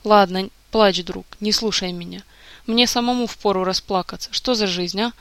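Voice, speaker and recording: A reader voicing a grieving adult king in an audiobook, weary and halting, close to tears. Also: medium pitch, steady tone, fairly bright tone, clear, resonant tone, dry recording, natural voice. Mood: despairing.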